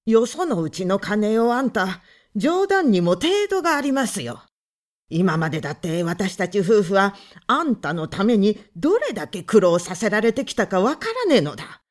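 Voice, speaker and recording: A woman voicing a gruff middle-aged male tavern keeper who speaks in coarse, rough phrases and sounds menacing. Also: medium pitch, natural voice. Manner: rough, coarse, slurred working-class speech.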